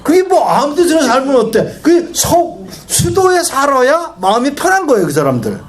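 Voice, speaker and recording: Telling stories and asking his listeners questions, an animated male guest pastor delivers a sermon to a congregation. He speaks at a moderate pace in a very high-pitched voice, and the hall recording echoes with a little faint noise.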